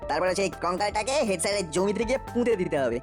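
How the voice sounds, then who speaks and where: A woman as quick-talking mischievous cartoon boy. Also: medium pitch, expressive, over music, close to an everyday voice. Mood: scheming. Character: clever, mischievous ten-year-old boy prankster.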